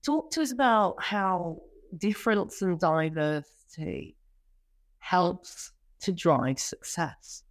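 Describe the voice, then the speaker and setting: A woman's voice: lowish voice, slow, no room sound. A woman hosting an interview podcast, talking conversationally in an appreciative way with long lead-ins. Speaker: podcast host interviewing a guest.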